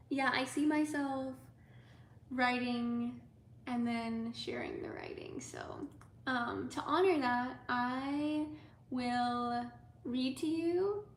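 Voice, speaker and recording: A young woman from the United States, hosting a casual livestream as an artist. She talks softly and rambles with lots of "like" and "um", sometimes dropping almost to a whisper. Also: high voice. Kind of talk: casual livestream chat with viewers. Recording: echoey room with faint ambient noise.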